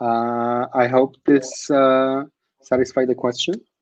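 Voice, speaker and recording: The speaker has an Israeli accent. The background is quiet. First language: Hebrew. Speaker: developer community meetup host. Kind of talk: Q&A moderation at online meetup. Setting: online video meetup. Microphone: video call.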